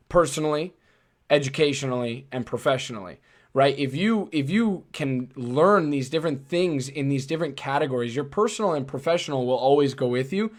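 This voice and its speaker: A man hosting a live online interview, talking in a casual, supportive way with many fillers. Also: mid-range voice. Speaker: host.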